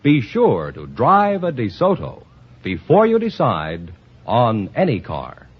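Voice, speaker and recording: A man reading a sponsor commercial in an emphatic, booming announcer manner. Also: huge pitch swings, takes it slowly, slightly rough. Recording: muffled old radio broadcast.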